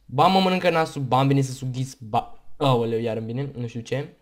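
A man with a Romanian accent giving casual gameplay commentary, chatty and rambling, hiccuping and tired, on a headset mic at home. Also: mid-range voice. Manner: chatty, rambling, talks in bursts between hiccups. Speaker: gaming YouTuber.

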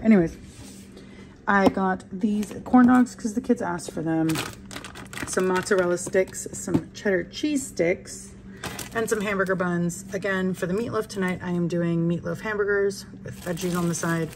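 A woman's voice: medium pitch, background noise. A woman in her thirties chatting casually through a grocery haul vlog in her home kitchen, rambling and correcting herself as she goes. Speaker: vlogger. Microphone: phone camera held close.

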